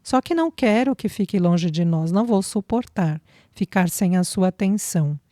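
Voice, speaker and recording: A woman voicing a tender young woman who is newly pregnant, speaking softly and sweetly with affection. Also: medium pitch, animated, moderate pace, no room sound, clean studio sound, natural voice. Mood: tender, joyful.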